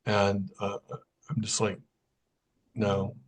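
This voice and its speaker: Middle-aged man, podcast guest, casual storytelling, flat even pitch, conversational. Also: normal speed. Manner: conversational, recounts events through quoted dialogue. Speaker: podcast guest, sound healer.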